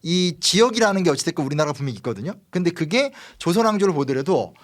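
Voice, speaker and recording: A man from Seoul, a history commentator explaining politics in a lecturing way, full of fillers. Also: fairly high pitch. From Seoul, South Korea. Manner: fast, lively lecturing with frequent fillers.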